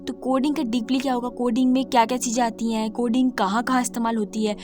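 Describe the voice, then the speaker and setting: A slightly hoarse woman tutoring beginners on coding in a casual, emphatic talk-to-camera lesson, repeating her points and mixing in English terms. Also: a little high, level tone, fast talker, over music.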